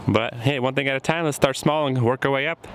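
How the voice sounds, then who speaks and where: A man's voice: medium pitch, a little fast, fairly bright tone. A man in his thirties, casually talking through a repair job outdoors, thinking aloud as he works. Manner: easygoing, thinking aloud while working. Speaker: shop mechanic host. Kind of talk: casual how-to narration. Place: outdoor junkyard. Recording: outdoor noise behind.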